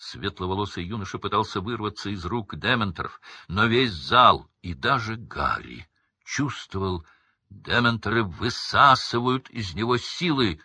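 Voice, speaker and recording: A man narrates a story at an unhurried, deliberate pace with a fairly low pitch. His voice is bright and slightly husky, and he reads in a measured, dramatic way. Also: animated, dry recording, clean studio sound. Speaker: audiobook narrator. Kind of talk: scripted audiobook narration.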